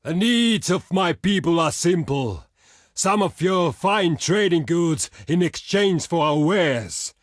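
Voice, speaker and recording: An actor playing a proud, grave barbarian tribal envoy in a video game, speaking formally and weightily with a rough, gravelly voice. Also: male voice, fairly high pitch, expressive, no echo, clean studio sound. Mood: solemn, bargaining. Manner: formal, declamatory, measured, weighty. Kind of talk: scripted video game diplomacy lines.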